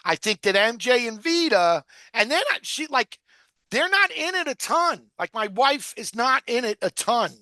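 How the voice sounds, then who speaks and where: A man's voice: extremely high pitch, very animated, normal speed, pushed and bright, no room sound. A man hosting a casual podcast, talking in loose, profane rambles full of fillers. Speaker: podcast host. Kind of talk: casual rewatch podcast chat.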